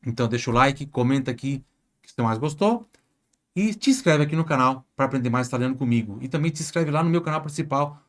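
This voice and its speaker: A man's voice: medium pitch, expressive, fast talker. A man teaching an online language lesson, explaining patiently with example sentences and frequent check-ins with the viewer. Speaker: Italian teacher.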